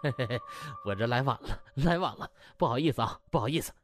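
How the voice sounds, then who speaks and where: A man's voice: mid-range voice, lively intonation, fast talker, voice pushed down, natural voice. A man voicing a cheeky, shameless young hospital slacker with a slangy, smirking, ingratiating manner in an audiobook. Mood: fawning. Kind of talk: audiobook character acting.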